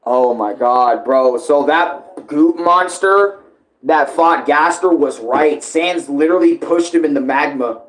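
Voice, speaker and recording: A man's voice: fairly high pitch, slow, poor audio. A man giving casual live reaction commentary, slangy, exclamatory and full of swearing. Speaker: reaction streamer.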